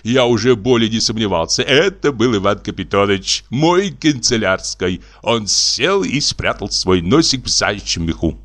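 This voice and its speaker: A man reading a classic short story aloud as narrator, with expressive delivery. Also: normal speed, few pauses. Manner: expressive, varying pitch widely. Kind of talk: literary reading.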